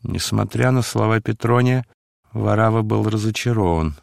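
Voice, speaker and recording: Low gravelly guy reading an audiobook, dry close sound. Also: normal speed, a little mellow, no room sound. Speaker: narrator.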